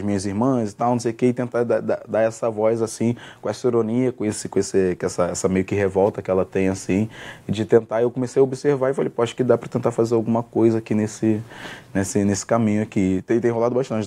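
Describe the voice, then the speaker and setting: A young man, a stand-up comedian telling stories in a casual interview, with many restarts. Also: medium pitch. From Rio de Janeiro, Brazil. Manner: fast, relaxed storytelling with many restarts and fillers.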